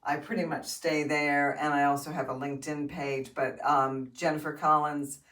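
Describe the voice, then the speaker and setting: A woman's voice: sits low, normal speed, distant mic. A woman, an actress and acting coach, talking frankly and expressively as a guest in a casual studio interview. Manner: talkative, frank, expressive storyteller. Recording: roomy studio sound, off-mic.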